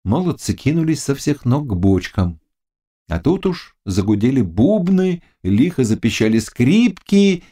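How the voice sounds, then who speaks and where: A man narrating a classic novel as an audiobook, reading in an expressive, dramatic way. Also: medium pitch.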